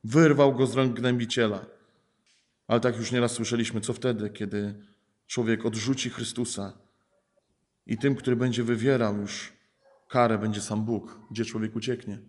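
A man's voice: lowish voice, little pitch movement, moderate pace, darkish tone. A man preaching a sermon, building emphasis through repeated phrases and rhetorical questions.

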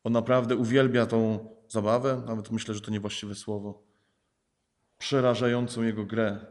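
A male preacher delivers a sermon in a level, steady voice that stays in a narrow pitch band. He presses his points through repeated phrases and rhetorical questions to the congregation. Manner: measured preaching, rising emphasis in repeated phrases.

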